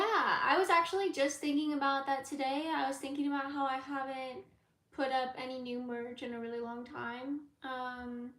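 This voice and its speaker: Slow, high-voiced woman in an echoey room. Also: a bit bright. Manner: rambling, laid-back, with frequent fillers. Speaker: tarot reader and YouTuber. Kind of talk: live Q&A chat with viewers.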